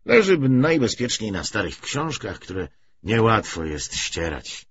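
Husky low-voiced man narrating an audiobook. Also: sing-song, takes it slowly, fairly bright tone, highs cut off. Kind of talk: scripted literary narration.

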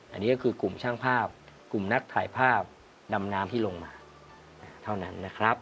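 A man's voice: mid-range voice, lo-fi sound. A man hosting a casual photography-critique livestream, reading viewer comments aloud and laughing often. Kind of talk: casual live chat reviewing viewer photos.

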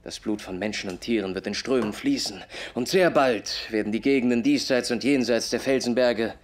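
A man's voice: mid-range voice, moderate pace, natural voice. An actor playing an earnest, polite, outspoken young man, a newcomer, in a radio play, speaking articulately. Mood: grave, accusing. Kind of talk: German radio play acting.

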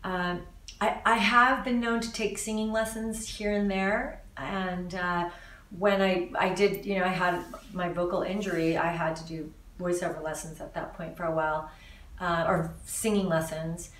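A woman in her forties from Los Angeles, a voice actor answering interview questions in a casual, animated way with frequent restarts, filmed in a living room. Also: lowish voice, normal speed. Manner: animated, talks with her hands, many restarts. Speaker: voice actor guest. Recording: roomy, slightly distant sound.

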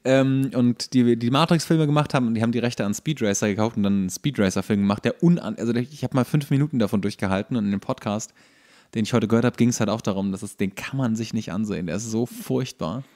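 A man's voice: medium pitch, fast talker, darkish tone. A man co-hosting a casual podcast chat, explaining trivia at length and in detail. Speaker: podcast co-host.

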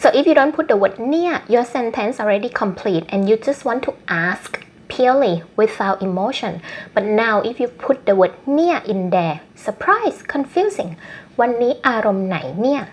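A woman with a Thai accent teaching an online language lesson, explaining patiently and repeating phrases slowly for learners. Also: fairly high pitch, big pitch swings, breathy edge. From Thailand.

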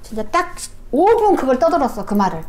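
High, animated woman shaman telling her story. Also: fairly quick, a little hiss or hum. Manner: animated, acts out quoted voices. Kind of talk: storytelling in an interview.

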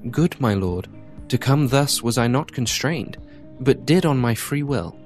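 An actor playing a formal, courteous Roman noble in a Shakespearean audio drama. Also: male voice, medium pitch, lively intonation, measured pace, faint music behind.

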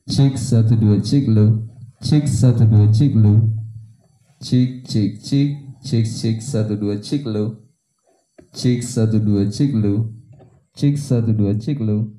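A man doing a loud, repetitive mic check whose voice comes through a mixer's heavy echo effect on a small monitor speaker. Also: on the low side, slow pace, pauses often. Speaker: audio gear reviewer.

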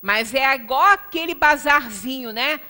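A woman's voice: sits high, animated, unhurried, pushed and bright. A middle-aged Brazilian woman giving a religious lecture in an explanatory, conversational way, emphatic, often checking in with short tag questions. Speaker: lecturer at a Spiritist center. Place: small indoor lecture room. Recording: reverberant meeting room, distant microphone.

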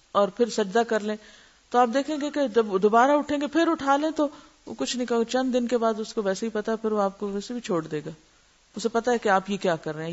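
A woman giving a religious lecture as a teacher, explaining terms and asking her listeners rhetorical questions. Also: on the high side. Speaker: Islamic teacher. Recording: muffled lo-fi lecture recording.

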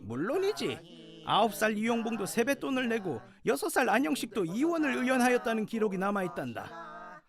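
A man's voice: very high voice, sing-song, a little fast, music in the background, exaggerated voice. An actor playing a scolding, lecturing grandfather over a hundred years old, telling stories in an educational audio drama with old-fashioned speech. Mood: earnest storytelling.

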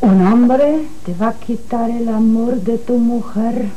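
A woman's voice: a little high, takes it slowly, narrow, tinny audio. A woman playing a cunning, insistent gypsy fortune-teller in a telenovela. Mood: ominous. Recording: noisy old TV broadcast recording.

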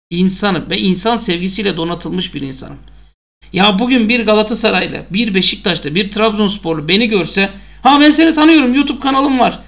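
A man with a notably high speaking voice delivers a casual vlog monologue to his followers. He talks emphatically and drives his points home by saying them again. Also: fairly bright tone. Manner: emphatic, repeats phrases for emphasis. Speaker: football fan YouTuber.

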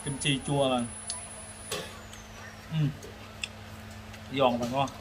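A man in his thirties hosting a casual food review while eating, speaking haltingly with hesitations and repeated words. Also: medium pitch, little pitch movement. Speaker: food vlog host. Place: open-air casual restaurant. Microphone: camera across the table. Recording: noisy eatery ambience, traffic.

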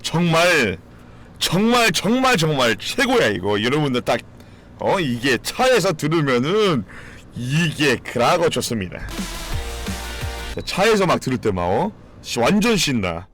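A game streamer, a man, talks loosely to his viewers with a lively, swooping delivery. He swears often and bursts out loudly now and then. Faint music plays behind him. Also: fairly high pitch, a little slow. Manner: swears freely, jokes with chat, sudden loud outbursts. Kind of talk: casual live-stream chat.

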